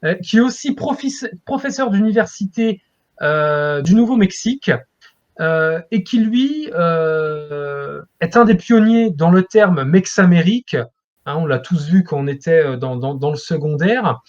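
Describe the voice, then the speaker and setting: A man's voice: on the high side, animated, a little slow, a little mellow, dull audio. A man speaking as a guest expert in an interview, explaining things in a lecturing way as if to students.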